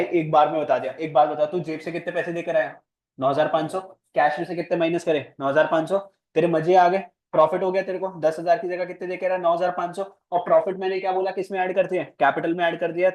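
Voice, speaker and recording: A man's voice: fairly high pitch, darkish tone. Playful man teaching class. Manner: playful, teasing, questions students. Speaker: commerce teacher. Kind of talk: classroom lecture.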